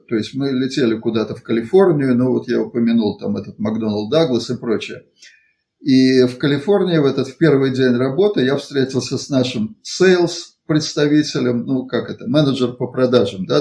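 Male consultant, medium pitch, conversational and reflective of experience, halting, digressive phrasing with frequent rewording. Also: gravelly, mellow. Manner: halting, digressive, reformulates as he goes. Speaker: engineering consultant. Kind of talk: conversational account of work experience.

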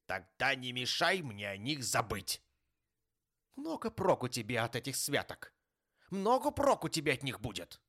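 A man's voice: medium pitch, wildly swooping pitch, unhurried, a bit bright, voice pushed up, heavily acted. A man reading an audiobook voices a grumpy, stingy old miser who talks in a scornful, harsh, snapping way.

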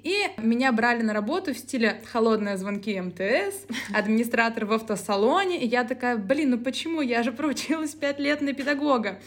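Lively storytelling woman guest. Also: a little high, a little fast. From Izhevsk, Udmurtia, Russia. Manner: animated storytelling, acts out her own past remarks. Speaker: guest, company co-founder. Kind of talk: casual chat.

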